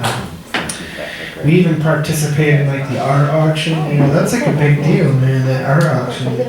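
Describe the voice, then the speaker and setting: A man hosting an open mic, making casual, halting announcements in a laid-back, informal way. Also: mid-range voice. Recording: echoey noisy cafe, distant mic.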